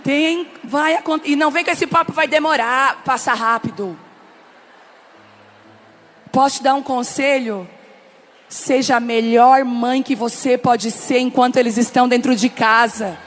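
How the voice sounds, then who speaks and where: A woman's voice: on the high side, unhurried, a little hiss or hum. A middle-aged woman pastor, preaching through a personal story and speaking straight to the audience. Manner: emotional, laughing and crying as she tells the story; talks directly to the audience, very animated.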